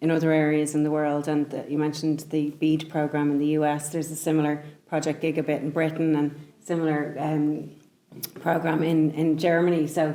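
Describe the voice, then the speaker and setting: Speaking with an Irish accent, a woman has a very deep, low pitch and a dark, mellow tone. She talks at a fairly quick pace with monotone, flat intonation. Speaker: marketing executive, interviewer. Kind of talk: business interview.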